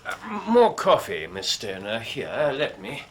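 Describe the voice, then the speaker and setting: An actor playing a courteous, precise Victorian gentleman detective who speaks politely with small hesitations. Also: medium pitch, wildly swooping pitch, slow pace, full character voice. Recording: clinking cups and dishes behind. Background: cutlery and dishes clinking.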